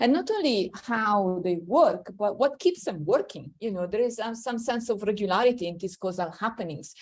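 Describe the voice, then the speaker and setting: Speaking at a fairly quick pace with lively intonation, a woman with an Italian accent uses a fairly high pitch. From Italy. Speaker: philosophy professor. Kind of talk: lecture. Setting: lecture hall with audience and online. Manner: hesitant with many fillers.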